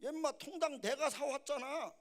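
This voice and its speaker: A male preacher voicing a furious, tipsy middle-aged father who yells and blusters. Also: very high voice, moderate pace, pitched above the performer's own voice. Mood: indignant. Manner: yelling, blustering.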